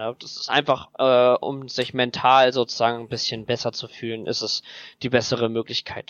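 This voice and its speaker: A man speaks at a moderate pace with a medium pitch and flat, monotone intonation. His loudness swings widely. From Hanover, northern Germany. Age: 20s. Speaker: train driver. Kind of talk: casual interview.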